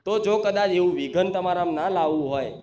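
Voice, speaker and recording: A man, a spiritual medium preaching to a crowd in a forceful, declamatory manner. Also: high voice, fast. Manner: commanding, declamatory, leads call-and-response chanting. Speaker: spiritual medium speaking as the goddess. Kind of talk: possessed devotional sermon to a crowd. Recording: echoey room with faint ambient noise.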